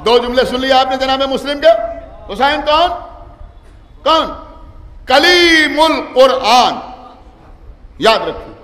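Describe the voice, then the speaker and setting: A man with a Lucknow Urdu accent delivers a majlis sermon in a very high, ringing voice. He explains quietly, then builds to shouted high points and calls the crowd to respond. The sound carries long reverb from a big hall, with a faint crowd behind. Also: lively intonation, pauses often. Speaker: preacher. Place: large imambara hall with gathered crowd.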